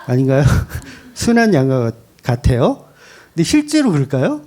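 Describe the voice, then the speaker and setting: A man's voice: on the high side, huge pitch swings, moderate pace, dark tone. A middle-aged man preaching a sermon as pastor, candid and joking, often laughing at himself.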